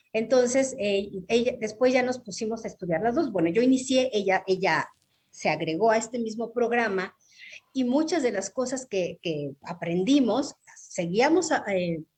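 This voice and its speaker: Fairly high-pitched, somewhat breathy woman's voice, lively in intonation and fairly slow in pace. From Mexico. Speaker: voice actor and dubbing school co-director. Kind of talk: interview answer. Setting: near a busy avenue, remote recording.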